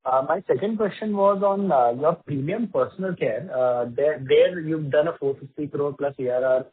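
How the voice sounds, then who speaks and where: A man's voice: on the high side, normal speed, slightly rough, no room sound. A man, a financial analyst politely and somewhat hesitantly asking questions on an earnings call. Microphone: phone. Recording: dry, tinny phone line.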